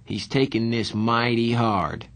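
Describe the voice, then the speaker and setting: A man voicing a tough, sardonic young male street hood in an audiobook, rough and blunt, with slangy teasing talk. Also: mid-range voice, fairly even intonation, takes it slowly, a bit bright. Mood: serious, blunt. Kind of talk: audiobook character dialogue.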